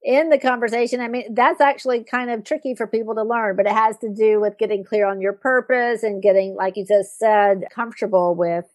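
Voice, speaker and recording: A woman's voice: a little high, fairly even intonation, a little fast, few pauses, darkish tone, no room sound. Dry-sounding woman coach hosting an interview. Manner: affirming, attentive listener with frequent backchannels. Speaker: host and executive communication coach. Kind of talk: conversational podcast interview.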